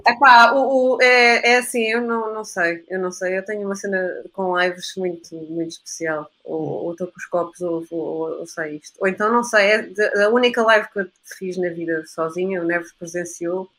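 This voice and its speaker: Portuguese girl on a stream, bright forceful voice, rambles and stutters through casual chat. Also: on the low side, a little fast, few pauses, low-quality recording. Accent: European Portuguese. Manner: rambling, stammering, repeats words. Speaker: livestream guest.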